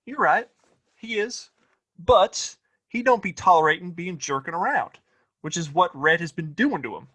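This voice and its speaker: Man as high-pitched, cocky Western sheriff. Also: expressive, moderate pace, sharp tone, full character voice. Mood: menacing. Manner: folksy, rustic grammar. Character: cocky, threatening sheriff, boss's obedient son. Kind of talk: Western audio play acting.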